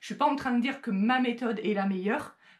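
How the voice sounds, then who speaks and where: This woman talks at a fairly quick pace with ordinary pitch variation. Her voice is fairly high and somewhat breathy. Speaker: childminder and vlogger. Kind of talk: tutorial. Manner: fast.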